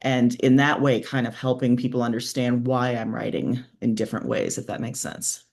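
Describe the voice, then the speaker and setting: A woman's voice: extremely low pitch, moderate pace, gravelly, a little mellow. A woman speaking as a guest author in a casual interview, explaining her thinking in an informal, reflective way. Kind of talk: casual, conversational interview answers.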